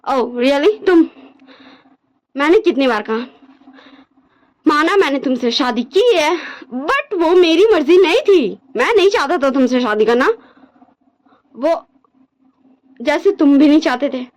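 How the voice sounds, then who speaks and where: A curt, scornful young man snaps out cold refusals, as a woman storyteller puts him on. He sounds forceful and dismissive. It is told as a storybook read-aloud. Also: high voice, animated, a little slow, pauses often. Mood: cold anger. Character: cold, angry young male alpha.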